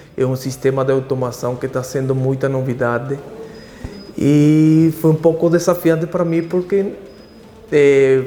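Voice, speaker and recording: Over noticeable background noise, a man with a non-native accent talks at a fairly slow pace and fairly high pitch, with fairly even intonation and long, frequent pauses. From foreign country. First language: not Portuguese (speaking Portuguese). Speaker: electrician. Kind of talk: testimony. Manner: halting.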